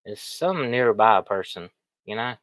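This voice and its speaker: A man's voice: lowish voice, animated, a little slow, a bit bright. Sniffly folksy man with a cold. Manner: rambling, folksy, chatty. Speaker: online reseller streaming. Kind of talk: casual livestream chat.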